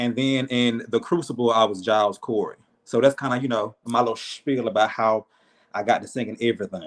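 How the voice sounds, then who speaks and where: Here a man speaks fairly quickly at a medium pitch with fairly even intonation. It is a normal speaking voice. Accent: American. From US South, Georgia. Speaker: singer. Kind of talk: casual interview chat. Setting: at home in an apartment, online stream.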